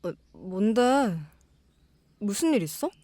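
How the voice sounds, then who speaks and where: A woman's voice: medium pitch, big pitch swings, slow, dark tone, no room sound, heavily acted. An actress playing an earnest, independent-minded young woman in an audio drama, with a hesitant, heartfelt delivery. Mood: puzzled.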